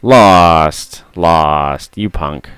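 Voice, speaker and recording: A tired, hoarse man with a gruff, rough voice streaming a game, chatting and muttering to himself on a close mic. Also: low-pitched, drawn-out words, fairly bright tone, no echo, soft background music. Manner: mutters to himself while playing. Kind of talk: casual gameplay stream chat. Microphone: close studio mic.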